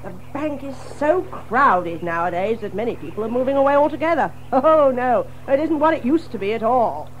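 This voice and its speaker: A woman acts out a chatty water rat from a children's audio drama. The voice is high and swoops with animation. The manner is hearty and exclamatory, full of little hesitations, over faint background noise. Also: animated, moderate pace, few pauses, dull audio, lightly acted. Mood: fond, amused. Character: chatty, friendly water rat, keen boater of the riverbank.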